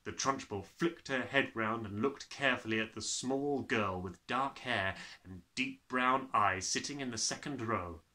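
Expressive young man reading, bright voice. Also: medium pitch, measured pace, hardly any pauses. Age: young adult. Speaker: storybook reader. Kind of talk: expressive scripted narration of a children's book.

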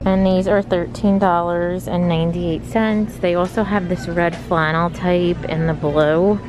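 A woman filming herself shopping for clothes in a large store, describing each item slowly, from a handheld phone. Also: fairly low pitch, steady tone, over music, a crowd in the background, rough recording. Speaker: fashion vlogger. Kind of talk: shop-with-me narration. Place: large retail store, indoors. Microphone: handheld phone filming the racks.

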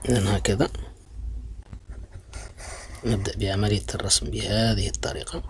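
A male math teacher with a low voice explains a problem slowly and patiently. He repeats each step, pauses on fillers and corrects himself. A faint hiss of noise sits behind his voice. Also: steady tone. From Algeria. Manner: patient, repetitive, addresses students as "my children"; many fillers and self-corrections. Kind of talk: blackboard-style math lesson.

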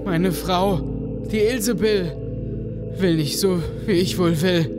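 A man's voice: high-pitched, takes it slowly, over loud music, pitched above the performer's own voice. A man playing a timid, fearful fisherman who pleads anxiously in a radio play. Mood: pleading.

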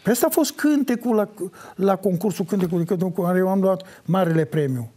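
An older man answering interview questions in an animated way, breaking into sung folk lines as he talks. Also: sits high. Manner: animated, sings folk lines mid-talk. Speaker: folk singer.

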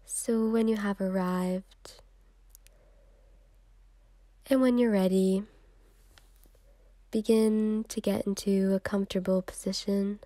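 With a steady, medium-pitched voice, a woman guides a meditation slowly and soothingly, leaving long pauses and sometimes sounding breathy. There is no echo in the recording.

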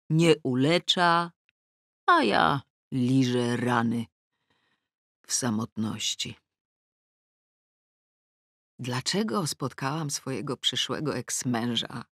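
A middle-aged woman reading a first-person novel aloud, wry and ironic, with sudden rises in pitch on the punchlines. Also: no echo, studio quality. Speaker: audiobook narrator. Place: dry recording booth. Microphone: close studio mic.

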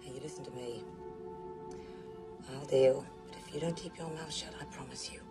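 An actor playing a cold, threatening business partner in a film drama, speaking in slow menacing threats. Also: male voice, medium pitch, steady tone, close to an everyday voice. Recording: film soundtrack with clear music.

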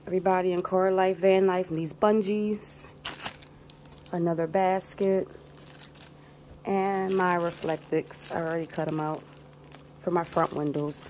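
Slow-talking, mellow woman vlogger. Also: lowish voice, steady tone. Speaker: vlogger, channel host. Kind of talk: casual show-and-tell narration. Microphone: handheld phone. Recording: noticeable background noise on phone recording.

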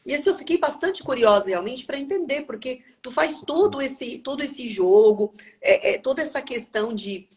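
A woman's voice: sits high, lively intonation, normal speed, hardly any pauses. Chatty woman interviewing on a video call. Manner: chatty, gestures a lot, many restarts. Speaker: interviewer host. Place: small office. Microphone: video call, webcam.

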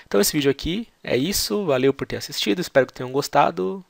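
A man's voice: on the high side, animated, quick pace, creaky, dry recording. A Brazilian Portuguese-accented man talking into a headset mic, explaining study tips step by step in a chatty, upbeat teaching vlog. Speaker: English-learning vlogger. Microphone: headset microphone.

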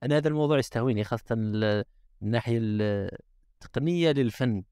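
A man's voice: mid-range voice, quick pace, a little mellow, clear, resonant tone, no room sound, studio quality. A man with an Algerian Arabic accent, co-hosting a casual podcast in a jokey, chatty way. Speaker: podcast co-host.

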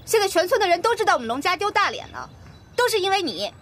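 A woman's voice: very high-pitched, big pitch swings, quick pace, a bit bright, heavily acted. An actress playing a headstrong, lovesick young lady of a rich family in a period TV drama, tearful and demanding. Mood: scornful. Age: young adult. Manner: tearful and demanding, pleading then scolding.

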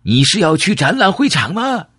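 A man voicing a chatty, nosy male taxi driver in an audiobook, with a husky voice. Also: sits high, sing-song, moderate pace, pushed and bright, no room sound, clean studio sound, pitched above the performer's own voice, full character voice. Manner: gushing, nosy.

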